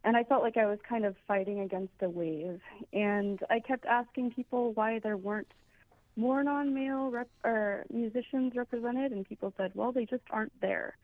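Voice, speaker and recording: Guest: woman founder, mid-pitched, earnest, dry and phone-thin sound. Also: steady tone, moderate pace, dry recording. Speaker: organization founder. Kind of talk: casual interview chat. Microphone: phone line. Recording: tinny phone line.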